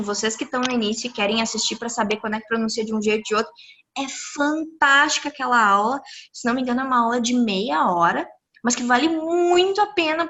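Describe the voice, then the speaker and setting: Bright-voiced woman teaching online. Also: on the high side. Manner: lively, encouraging, explains step by step. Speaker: English teacher. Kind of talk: live online class, answering student questions. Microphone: computer mic on a video call.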